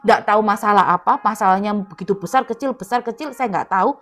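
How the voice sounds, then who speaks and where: A woman's voice: mid-range voice, fast talker, fairly bright tone. Emphatic woman preaching over faint music. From Indonesia. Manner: emphatic, repeats key words, acts out quoted dialogue. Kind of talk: sermon. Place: online prayer meeting, remote.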